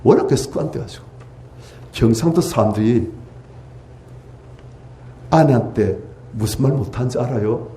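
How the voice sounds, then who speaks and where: A man preaching a revival sermon in a church, pleading loudly at times and dropping to hushed near-whispers at others. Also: mid-range voice, moderate pace, pauses often, slight background noise. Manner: impassioned, swings from loud pleading cries to hushed near-whispers. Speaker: pastor. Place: church sanctuary.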